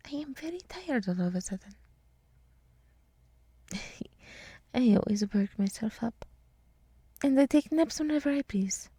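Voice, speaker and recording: Woman as a breathy, whispering gentle deer girl. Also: mid-range voice, no room sound. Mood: sleepy, rambling. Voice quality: soft, breathy, mostly whispered. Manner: slow, earnest, encouraging, rambling. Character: gentle, earnest deer woman living in a forest. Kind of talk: ASMR roleplay, soft intimate monologue.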